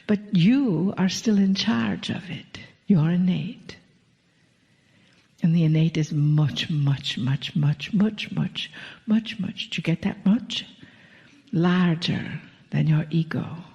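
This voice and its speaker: A woman channeling a spiritual message to a live audience, speaking slowly and drawing out her words, often dropping into soft whispered phrases. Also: lowish voice, gravelly. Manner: slow, drawn-out delivery with soft whispered phrases. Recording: echoey hall, dull lo-fi sound.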